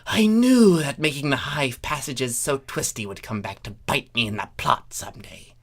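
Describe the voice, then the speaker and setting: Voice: medium pitch, expressive, normal speed. A reader voicing a villainous female changeling queen in a comic fan fiction reading, theatrical, hissing and swinging between sweetness and menace. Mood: bitter. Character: scheming villainous changeling queen, theatrically wicked, female insect-pony creature.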